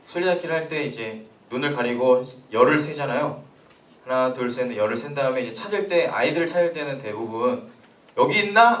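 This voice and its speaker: A young man, a pastor, giving a sermon to a youth congregation in a lively storytelling way and putting questions to the listeners. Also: mid-range voice. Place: church hall. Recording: roomy hall, voice from a distance.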